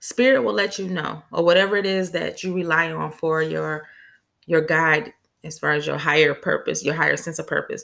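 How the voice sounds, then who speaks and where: Over a silent background in a very clean recording, a speaker with an American accent talks at a moderate pace. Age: 40s. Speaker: podcast host. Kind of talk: solo monologue podcast. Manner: casual, conversational.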